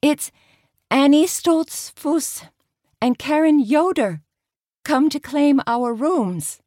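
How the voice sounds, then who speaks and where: A woman voicing a cheerful grown woman revisiting her childhood camp, light and softly wistful. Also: mid-range voice, lively intonation, a little slow, no echo, studio quality, voice pushed up. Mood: bright.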